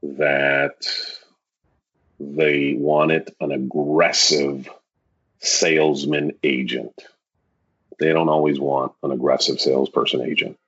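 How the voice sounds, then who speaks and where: A man, a real estate agent, talking casually in an interview, acting out clients and his old sales pitch and stumbling over repeated words. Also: slow, husky. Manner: animated storyteller, acts out clients and his old sales pitch, laughs often; repeats words when starting. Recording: dull lo-fi sound.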